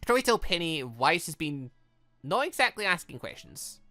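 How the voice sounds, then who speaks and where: Animated, bright-voiced gamer over music. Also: mid-range voice, moderate pace. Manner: animated, exclamatory asides. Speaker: gaming video host. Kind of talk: let's play commentary, reading visual novel dialogue aloud. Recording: music behind the voice.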